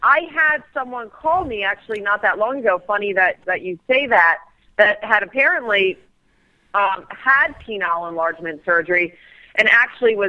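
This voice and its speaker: A woman speaks at a moderate pace in a medium pitch with lively intonation, using a plain, everyday voice. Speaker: sex advice doctor. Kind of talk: interview, advice. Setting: phone call.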